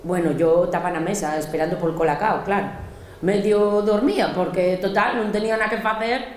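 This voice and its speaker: A woman's voice: mid-range voice, a little fast, roomy sound, slight background noise. Asturian woman telling a child's tale. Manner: plays a small girl, lively and mock-dreamy. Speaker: storyteller. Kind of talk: theatrical storytelling monologue.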